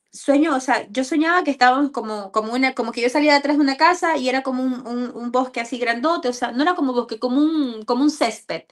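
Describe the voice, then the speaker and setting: Woman with a high voice, halting testimony. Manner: halting, repeats words and restarts phrases. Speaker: mother giving a faith testimony. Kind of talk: emotional personal testimony.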